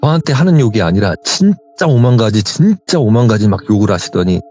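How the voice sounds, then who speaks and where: Low, animated man telling a story. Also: fairly quick, faint music behind. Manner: animated, acts out quoted dialogue. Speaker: guest storyteller. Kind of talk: recounting a true ghost story.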